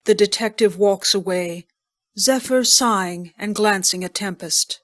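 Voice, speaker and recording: A woman's voice: medium pitch, measured pace, a bit bright. A woman reading scripted scene narration for an audio drama.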